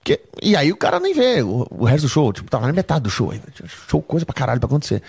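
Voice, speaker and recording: Lively, fast-talking man telling stories. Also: mid-range voice, vocal fry, slightly rough. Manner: animated anecdotes, heavy swearing. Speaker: guest comedian and musician. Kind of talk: casual podcast storytelling.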